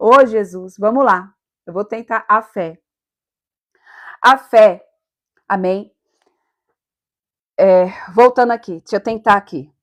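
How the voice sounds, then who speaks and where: Speaking at a very slow pace, a woman leaves long, frequent pauses in a fairly high voice. The sound is dry and close, with no echo. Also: ordinary pitch variation. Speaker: preacher. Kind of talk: live-streamed sermon. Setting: live stream.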